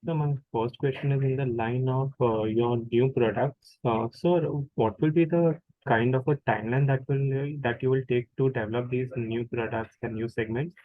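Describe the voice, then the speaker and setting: Indian male analyst, polite questioner, mid pitch, dry but very narrow phone-like audio. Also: steady tone, moderate pace, few pauses, no room sound. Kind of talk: polite conference call questioning.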